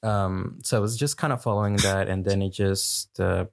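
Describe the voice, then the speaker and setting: A man's voice: low voice, steady tone, normal speed, gravelly. A man co-hosting a casual chat, giggling often and rambling with hesitant restarts.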